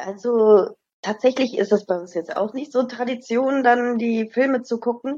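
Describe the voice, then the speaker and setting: With fairly even intonation, a woman speaks fairly slowly at a high pitch with a dark, mellow tone. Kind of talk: casual chat.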